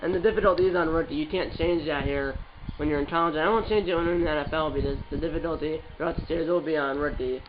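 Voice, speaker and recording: A man's voice: a little high, fairly even intonation, fast talker, few pauses. A man with a stuffed-up voice commentating his football video game in a casual, rambling way, calling the plays as they happen. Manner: rambling, with restarts and play-by-play calls. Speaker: gaming channel host. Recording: muffled with background noise.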